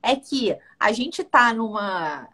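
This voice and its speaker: Guest voice: talkative Brazilian woman, husky and fairly high, keeps asking if you follow. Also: expressive, slow, pushed and bright. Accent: Brazilian Portuguese. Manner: talkative, keeps checking in with the listener. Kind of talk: casual conversational interview.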